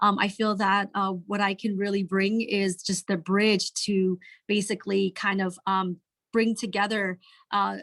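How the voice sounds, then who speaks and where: A woman with an American accent speaks fairly slowly at a medium pitch, her loudness very even and her intonation flat. The recording is very clean, with a silent background. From California, US. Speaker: advisor to a social enterprise. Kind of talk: speech at a launch event. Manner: halting, many fillers.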